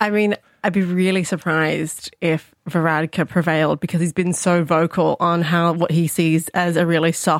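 This woman has an Australian accent and a fairly low voice. She speaks at a moderate pace with fairly even intonation. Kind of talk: radio panel discussion. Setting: radio studio.

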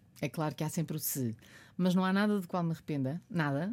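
With ordinary pitch variation, a woman speaks in a dark, mellow, somewhat breathy tone, captured in a very clean recording with a silent background. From Portugal, Porto. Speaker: former TV journalist and presenter, author. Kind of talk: radio interview. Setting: radio studio.

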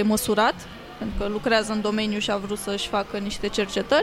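A woman with a fairly high pitch speaks at a moderate pace over noticeable background noise. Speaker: photographer. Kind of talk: casual chat.

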